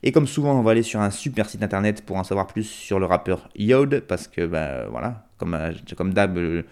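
A man's voice: low voice, lively intonation, moderate pace, darkish tone, clear, resonant tone. A man hosting a music radio show, presenting tracks in an informal, self-deprecating way.

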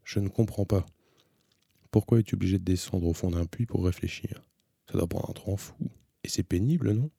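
A man's voice: low voice, normal speed, vocal fry, warm tone, husky, no echo, clean studio sound, full character voice. A man reading an audiobook, voicing a blunt, teasing teenage girl who fires insistent, needling questions.

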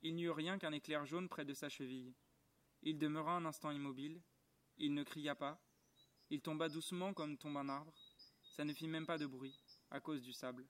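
A man reading a storybook aloud in a calm, measured, quietly moved way, recorded outdoors at the bottom of a garden. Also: on the high side. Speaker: reader.

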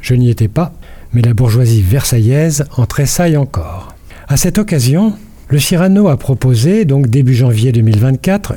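Older male radio columnist, mellow and playful, storytelling delivery. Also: medium pitch. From France. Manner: playful storytelling, quizzing the host. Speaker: culture columnist. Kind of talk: radio chronicle, partly read.

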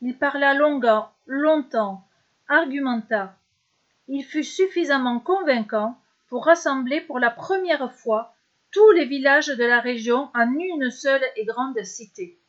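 A woman narrating a serialized story with a high, light voice. She reads steadily and in measured phrases. The recording sounds slightly dull and lo-fi. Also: fairly bright tone.

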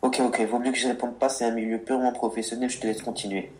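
A man's voice: medium pitch, flat delivery, quick pace, a little mellow, a little hiss or hum. A man co-hosting a radio show about words, reading earnest explanations and answering teasing with mock exasperation. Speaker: co-host of a word radio show.

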